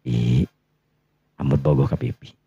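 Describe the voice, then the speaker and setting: A man voicing a shy, hesitant young man in love, soft and halting, with a Sundanese accent, in a story. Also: extremely low pitch, flat delivery, vocal fry, breathy edge, dry recording, pitched below the performer's own voice, exaggerated voice. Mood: shy, tender. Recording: muffled, lo-fi recording.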